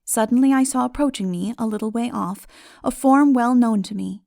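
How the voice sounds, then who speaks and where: Solemn woman narrator, high and slightly creaky. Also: no echo, studio quality. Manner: solemn, measured, expressive. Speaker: audiobook narrator. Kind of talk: dramatic literary narration.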